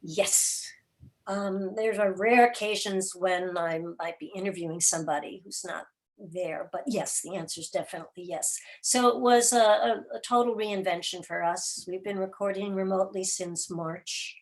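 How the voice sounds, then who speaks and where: A woman with an average-pitched voice speaks as a producer being interviewed. She answers informally, as a guest would at an online gathering over a video call. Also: moderate pace, poor audio. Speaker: radio drama and podcast producer, guest.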